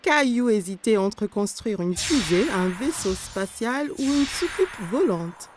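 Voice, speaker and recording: A woman narrates a cartoon story for small children. Her pitch is middling for a woman, and music plays clearly underneath. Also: lively intonation, unhurried.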